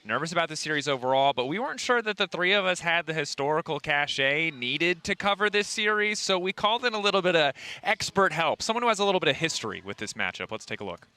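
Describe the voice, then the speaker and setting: A man hosts an esports broadcast desk, talking at a rapid clip in a piercingly bright, sharp voice. His delivery is quick and playful, handing off to the panel with easy banter. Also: a little high, sing-song, clean tone.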